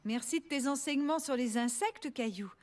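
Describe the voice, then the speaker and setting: A woman's voice: high voice, moderate pace, a little mellow, natural voice. A woman voicing a kind, cheerful mother in a children's cartoon, affectionate and encouraging.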